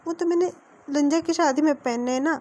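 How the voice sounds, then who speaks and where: Pouty young man in love, childish and demanding, read by a woman, pitched high. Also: a little fast, darkish tone, lightly acted. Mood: sulky. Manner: sulky, demanding, childish pleading.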